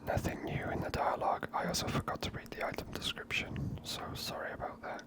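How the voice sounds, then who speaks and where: A person giving ASMR game commentary in a soft, unvoiced whisper, gently musing aloud. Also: a little fast. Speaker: video game player and narrator.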